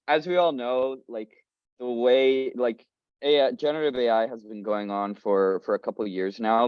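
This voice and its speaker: A Colombian startup founder in his twenties speaks as a guest on a community video call, giving a casual, upbeat talk full of fillers and restarts. His voice is fairly low and a little mellow. The call audio is dry and slightly dull, with no room sound.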